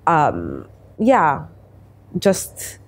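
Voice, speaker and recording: A woman's voice: sits low, huge pitch swings, very slow, slightly rough. A young woman in her twenties, a panel guest talking candidly and chattily in a casual discussion, laughing easily. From Italy. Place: bright studio room, city view.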